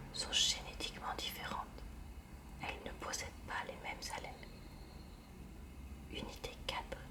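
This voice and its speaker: A woman reading a textbook aloud in a hushed library whisper for ASMR, with short informal asides. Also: far from the mic.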